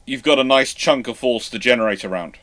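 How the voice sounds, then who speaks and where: A man with a noticeably bright tone talks casually as the host of a live question session. His speech comes in halting runs, with stammered starts and repeated words as he works out his answers. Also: medium pitch. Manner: halting, stammering false starts and self-repetition.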